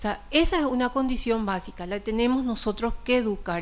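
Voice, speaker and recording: Pitch varies in an ordinary way as the speech keeps a fairly quick pace. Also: woman. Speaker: physician lecturer. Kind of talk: lecture. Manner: fast.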